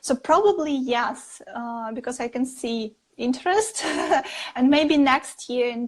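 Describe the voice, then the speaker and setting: In a Russian accent, the speaker talks at a very slow pace with ordinary pitch variation. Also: woman. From Russia, Saint Petersburg. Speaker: sketching teacher and host. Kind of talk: live stream interview. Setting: Instagram live stream.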